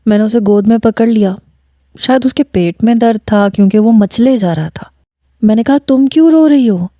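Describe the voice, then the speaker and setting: Dark-voiced woman narrating a story. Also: mid-range voice, no echo. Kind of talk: first-person story narration.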